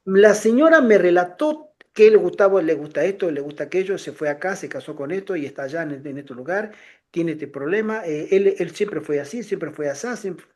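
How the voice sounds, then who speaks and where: At a moderate pace and with a voice sitting high, a middle-aged man shares personal stories in casual conversation. His telling is animated, with frequent phrase restarts and acted-out voices of the people involved.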